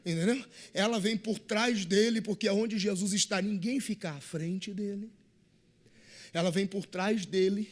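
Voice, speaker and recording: A Brazilian-accented man delivers a sermon in a strikingly high voice. He drops to hushed, slangy asides, then climbs to shouted appeals, talking casually to the congregation. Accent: Brazilian Portuguese. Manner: animated, swings from hushed to shouting. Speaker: pastor. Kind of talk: preaching a sermon.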